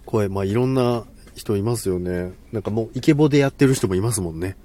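Male streamer, low voice, casual and self-deprecating, trips over his words. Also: fast talker, mellow. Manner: laughs often, polite and self-deprecating, stumbles over words. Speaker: live stream host. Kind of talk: casual live chat.

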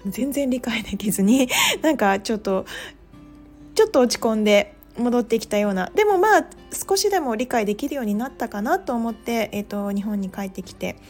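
A woman's voice: a little high, expressive, brisk, faint music behind. A woman from Japan hosting a podcast, talking casually with lots of fillers and laughing at herself. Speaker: pharmacist and podcast host. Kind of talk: casual monologue.

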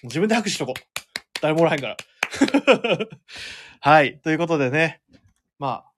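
A man hosting a live radio show alone, chatting in a relaxed way, laughing often as he reads listener comments. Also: a little high, moderate pace, noisy background.

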